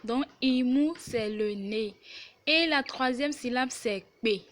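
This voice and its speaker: Slow, careful woman teaching a language. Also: fairly high pitch, fairly bright tone. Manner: slow and careful, repeats words. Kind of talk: Yoruba lesson in French.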